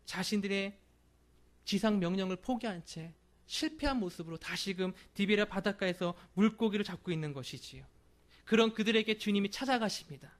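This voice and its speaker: A man's voice: high-pitched, a little fast. A male pastor preaching a Sunday sermon, earnest and often asking the congregation questions.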